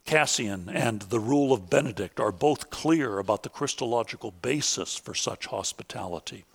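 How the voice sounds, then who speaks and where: A man reading a scripted academic lecture in a measured, deliberate and formal way, pausing for quotations. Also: mid-range voice, animated, gravelly, husky.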